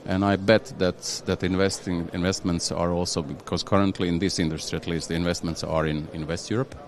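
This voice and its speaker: A man speaking as an executive guest, his voice sitting very low. He talks haltingly, restarting phrases and checking in with "yeah?". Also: flat delivery. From Croatia. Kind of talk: conversational interview.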